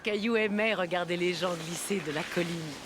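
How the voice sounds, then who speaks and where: A woman playing a kindly storyteller, narrating a children's cartoon tale in an expressive, simple way. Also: lowish voice, normal speed, noisy background, lightly acted. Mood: kindly storytelling. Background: loud music.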